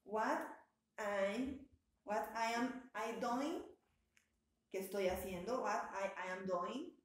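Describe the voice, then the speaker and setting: Encouraging teacher in an echoey room. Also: female voice, mid-range voice, slow. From Colombia. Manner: patient, encouraging, stretches out words to model pronunciation. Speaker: English teacher. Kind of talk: bilingual language lesson.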